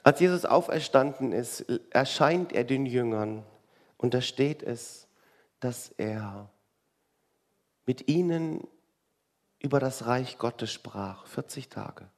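Gravelly German-speaking preacher, conversational. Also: male voice, medium pitch, lively intonation, slow pace, pauses often. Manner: conversational, rhetorical questions, wry asides. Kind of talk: sermon.

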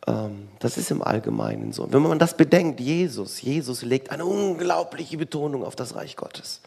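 A man's voice: on the high side, big pitch swings, normal speed, gravelly, a little mellow, breathy edge. A man preaching a sermon in a conversational way, full of rhetorical questions and wry asides.

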